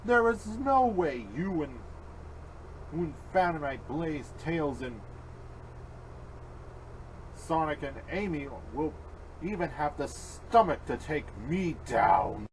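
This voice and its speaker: Man acting a villainous robot tyrant, pompous, menacing, unhurried delivery, amateur cartoon parody, noisy homemade recording. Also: on the high side, big pitch swings, full character voice. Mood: scornful. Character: bombastic villainous robot emperor, scornful of organics.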